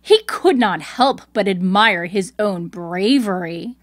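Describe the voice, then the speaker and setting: A woman host reading scripted storybook narration in a clear storytelling delivery. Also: medium pitch, animated, takes it slowly, no room sound, studio quality.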